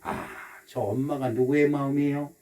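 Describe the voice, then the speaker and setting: A man's voice: medium pitch, moderate pace, a little mellow, recorded from a distance. A man preaching a sermon as pastor, emphatic and repetitive, acting out the voices of others. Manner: emphatic, repetitive, acts out quoted speech.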